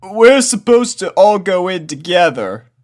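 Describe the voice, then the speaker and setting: A man's voice: high-pitched, very animated, unhurried, pitched above the performer's own voice. A man voicing a laid-back, teasing young colt pony who drawls, in a storybook reading. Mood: drawling, teasing. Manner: drawling, boyish.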